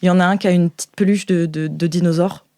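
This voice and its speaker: A woman's voice: on the low side, fairly even intonation, fast talker, warm tone, no room sound, clean studio sound. A woman improvising tabletop game narration as game master, informal and searching for words.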